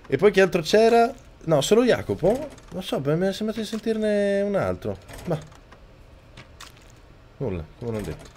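A man streaming a video game live, talking close to his microphone, yelling and swearing at the game and thanking viewers. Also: sits high, very animated, moderate pace, a little hiss or hum. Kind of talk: live gameplay commentary. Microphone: microphone very close to the mouth.

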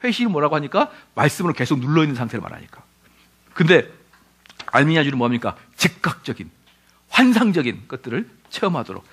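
A middle-aged man preaching a lecture-style sermon in a high voice. His pitch swings widely as he acts out quoted voices and fires rhetorical questions at the congregation. He talks in an animated, conversational way. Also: fast, slightly rough. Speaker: pastor.

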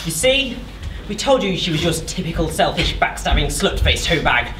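A woman's voice: deep voice, big pitch swings, moderate pace. A woman playing an earnest, loyal young servant lad in a comic amateur pantomime. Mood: indignant, encouraging. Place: theatre stage, recorded from far off. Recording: very noisy echoey stage, distant mic.

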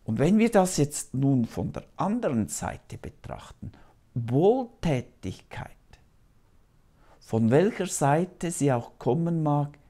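A man's voice: a little high, warm tone. A man in his fifties, a priest, preaching solemnly and earnestly to camera in a small TV studio on a lapel mic. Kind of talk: televised sermon.

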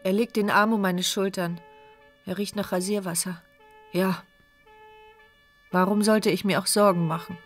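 A frightened, wounded heroine, played by a woman, tells her story in an intense first-person monologue. Her voice sits at an ordinary pitch, and music plays underneath throughout. It comes across as a studio radio play. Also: steady tone, normal speed, pauses often, lightly acted. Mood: tense. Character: injured woman narrator, frightened and desperate. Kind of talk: radio drama narration.

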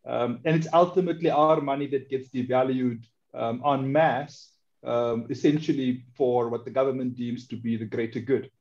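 A man talks through his views in a relaxed group call, pausing on fillers as he thinks. His voice is dark and mellow, and the call audio sounds dull and lo-fi. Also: mid-range voice. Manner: measured, thinks aloud with many fillers. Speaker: meetup participant. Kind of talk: casual group discussion.

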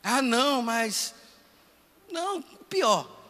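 A man, a priest, giving a lively, conversational sermon and voicing the people he quotes. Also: very high-pitched, extremely slow, long reverb tail.

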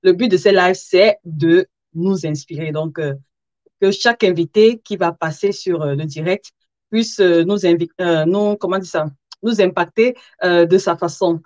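A woman's voice: lowish voice, a little slow, a little mellow, no echo. A woman hosting a live interview show, chatting informally with viewers and sounding a little tired. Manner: informal, chuckles between phrases, addresses viewers directly. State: somewhat tired. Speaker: live interview host, sewing content creator. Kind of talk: casual livestream chat with viewers. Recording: dull, lo-fi livestream audio.

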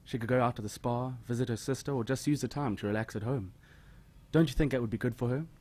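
A man acting in an audio drama as a smooth, coaxing adult who is befriending a boy. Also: medium pitch, quick pace, darkish tone, natural voice.

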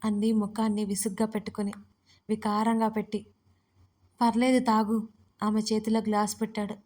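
A woman narrating an audio story in a steady, measured reading. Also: mid-range voice.

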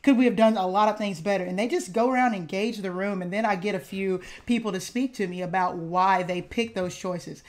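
A woman high school band director explaining her classroom methods in an earnest way, speaking on a video call from a home office. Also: brisk, hardly any pauses, a little mellow. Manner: earnest, explanatory, with frequent fillers. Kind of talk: video call panel discussion. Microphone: video call webcam.

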